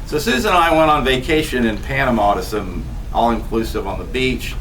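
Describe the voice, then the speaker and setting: At a bookstore event, a man reads his poems in a live poetry reading, chatting between them with many ums and self-deprecating laughs. His mid-range voice is fairly bright and a little fast. It's distant camera audio with room noise and soft background music.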